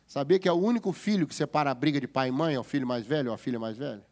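A man with a Brazilian Portuguese accent preaching a humorous sermon as a pastor, lively and joking, often asking the congregation whether they agree. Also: mid-range voice, rapid-fire.

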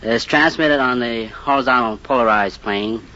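A man on a quiz show, a television repairman, fumbling through a halting technical explanation. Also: medium pitch, pushed and bright. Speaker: contestant, TV repairman. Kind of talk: answering a quiz host. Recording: muffled old radio broadcast with hiss and audience.

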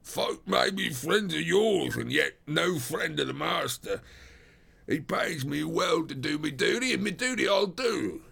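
A man voicing a gruff, stubborn, distrustful prizefighter porter who talks in loud working-class dialect, in a storybook reading. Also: a little high, expressive, a little slow, voice pushed up, full character voice. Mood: suspicious, stubborn.

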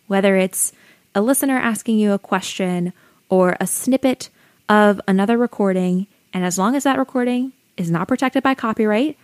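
A young adult woman with a soothing voice, hosting her own podcast and calmly giving friendly advice like a teacher. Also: mid-range voice, dry recording. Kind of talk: solo educational podcast talk.

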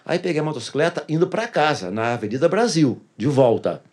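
A man's voice: a little high, lively intonation, brisk, darkish tone, husky. A pastor tells his personal testimony in a casual interview, earnestly repeating phrases for emphasis.

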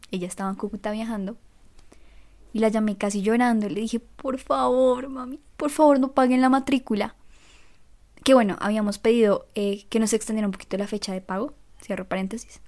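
A young woman from Colombia, a Catholic content creator, telling her own story in a lively, self-mocking way. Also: medium pitch, brisk. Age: young adult. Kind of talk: personal storytelling vlog.

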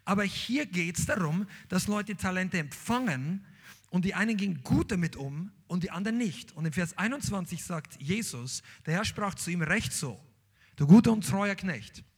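A man preaching a sermon, reading scripture aloud and then explaining it in an animated preaching manner. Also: high voice, normal speed, breathy edge. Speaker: pastor.

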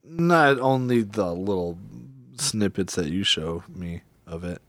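Excitable man with wildly swinging pitch. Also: slow, no room sound. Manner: enthusiastic, laughs a lot. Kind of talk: casual chat.

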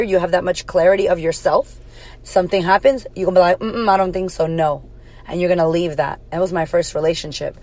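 A woman with a husky, hoarse voice hosting a podcast, giving blunt, swear-laden motivational advice in a casual pep-talk. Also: lowish voice, a little mellow. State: hoarse from karaoke. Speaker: podcast host, confidence coach.

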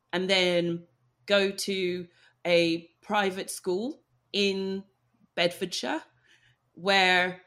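A woman from Nigeria hosting an interview podcast, telling her story in a reflective, conversational way. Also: mid-range voice. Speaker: podcast host.

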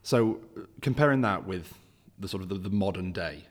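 A man's voice: sits low, expressive, moderate pace, big-room sound. A man hosting a casual interview podcast, chatty and rambling, with lots of restarts in his questions. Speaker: podcast host.

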